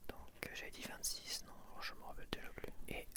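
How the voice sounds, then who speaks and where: Throughout an ASMR video, a man whispers softly and without voicing, chatting and slowly counting out loud while sorting stickers. He is an ASMR creator working from a home setup lit by softboxes.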